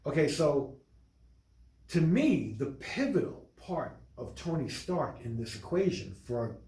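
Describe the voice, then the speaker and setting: A man talking casually about a film as a podcast co-host, emphatic and halting with restarts. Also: a little high, sing-song, warm tone. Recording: echoey, roomy recording.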